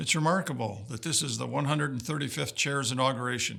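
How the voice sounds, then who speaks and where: Bright and sharp in tone with some vocal fry, the voice runs at a fairly quick pace with lively intonation, on a very clean recording with a silent background. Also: man. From northern Saskatchewan, Canada. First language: Woodland Cree. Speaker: lieutenant governor. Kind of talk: formal speech.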